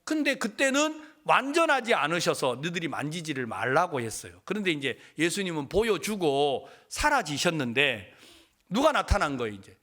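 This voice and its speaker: A middle-aged man preaching a sermon in a high, lively voice that leaps up and drops low. He tells the story with animated storytelling and acts out each quoted line of dialogue in a changed voice. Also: normal speed. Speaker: pastor.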